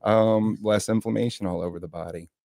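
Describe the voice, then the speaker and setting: Deep, gravelly, fast-talking man explaining. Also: fairly even intonation, a little mellow, no echo, clean studio sound. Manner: earnest, explanatory, fluent. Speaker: health food store owner, guest. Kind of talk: radio interview guest. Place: radio studio.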